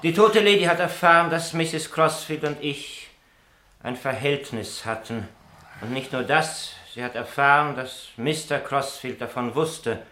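An actor playing an earnest, halting gardener who is a secret lover confessing his guilt in a German radio play. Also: a little high, sharp tone, reverberant, slight background noise.

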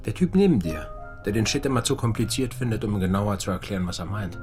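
A man's voice: fairly low pitch, expressive, fast talker, music in the background, lightly acted. An actor playing a laid-back, enigmatic male barkeeper in a radio drama, laconic and unruffled. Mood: calm, laconic. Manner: laconic, unruffled, matter-of-fact. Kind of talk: naturalistic radio drama acting.

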